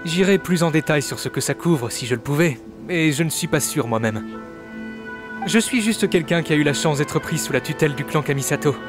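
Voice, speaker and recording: Game dub: courteous, affable young male retainer, acted by a man, lightly high-pitched, formal, articulate delivery over music. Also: animated, fairly quick, lightly acted. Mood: polite, assured. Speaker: amateur voice actor dubbing a game character. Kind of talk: scripted game dialogue dub.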